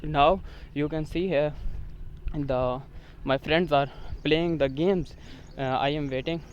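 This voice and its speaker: A man whose first language is Urdu, vlogging outdoors in halting English full of hesitations. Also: fairly high pitch, steady tone, muffled recording, slight background noise. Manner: halting non-native English, frequent uh fillers. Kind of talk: casual outdoor vlog. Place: outdoors in a village near a road.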